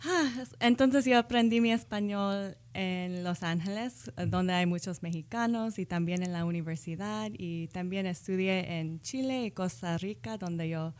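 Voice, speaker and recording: A woman's voice: lowish voice, a little slow, hardly any pauses, darkish tone. A woman, speaking Spanish as a later language, answering interview questions carefully and correcting herself as she goes. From United States. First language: not Spanish. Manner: careful, thoughtful, self-correcting. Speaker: guest, social work professor.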